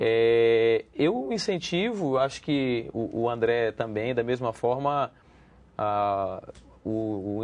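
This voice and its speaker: Very slowly, a man speaks at a medium pitch with ordinary pitch variation. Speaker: Spanish teacher. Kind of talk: exam commentary. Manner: halting.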